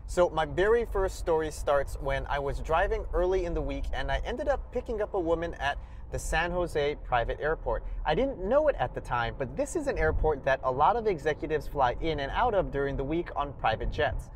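A man's voice: a little high, sing-song, a little fast, slight background noise, low-quality recording. Upbeat young man talking from a car. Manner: upbeat, gestures while talking. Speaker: career vlogger. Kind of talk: casual storytelling to camera. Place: parked car interior.

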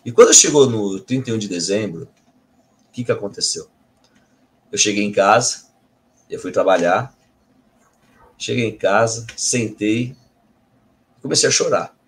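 A middle-aged man, an Umbanda medium sharing a personal testimony with his viewers in an earnest, self-correcting way. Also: on the low side. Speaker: Umbanda medium and channel host.

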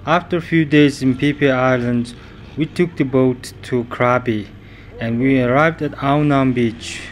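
A man's voice: medium pitch, steady tone, measured pace, slight background noise. A man narrating his travel vlog as a voice-over, plainly and with some hesitation. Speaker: travel vlogger.

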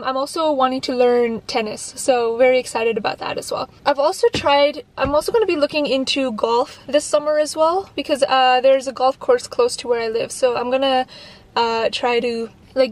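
High-voiced chatty young woman. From Canada. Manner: chatty, many fillers and restarts. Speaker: YouTuber answering viewer questions. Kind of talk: casual Q&A vlog. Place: parked car, indoors of vehicle. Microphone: camera on dashboard, facing her.

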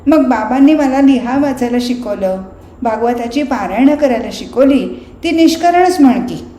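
A woman's voice: sits high, expressive, moderate pace, dark tone. Woman reading as a defiant young widow. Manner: passionate, defiant. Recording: roomy recording, faint noise.

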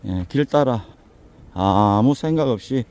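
An older man with a Busan accent, hoarse and a bit winded, chatting folksily as he walks a mountain path for his vlog. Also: medium pitch, animated, slow pace, a little mellow. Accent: Busan Gyeongsang dialect. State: out of breath from climbing. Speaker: vlogger touring local alleys. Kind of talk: casual walking vlog.

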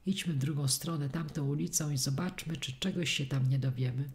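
A woman's voice: sits low, a little fast, darkish tone, lightly acted. A woman reading the insistent lines of an impatient male office doorkeeper in an audiobook.

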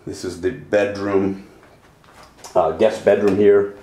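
A man's voice: low-pitched, flat delivery, takes it slowly, warm tone. A man giving a terse, disapproving, off-the-cuff walkthrough narration as a realtor inspecting an empty home. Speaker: realtor filming a property inspection. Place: indoors, empty townhouse rooms. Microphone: handheld camera microphone. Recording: echoey empty rooms, faint background noise.

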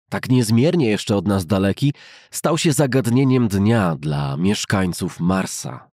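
Deep husky male audiobook narrator. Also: darkish tone, no echo, studio quality. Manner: measured, formal, deliberate reading. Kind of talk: scripted literary narration of a classic science fiction novel. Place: dry recording studio.

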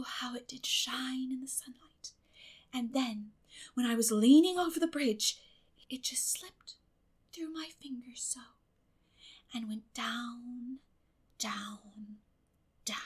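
Theatrical little girl for an audiobook, high breathy voice, super dramatic and wordy. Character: dramatic, imaginative young girl, pleading and theatrical.

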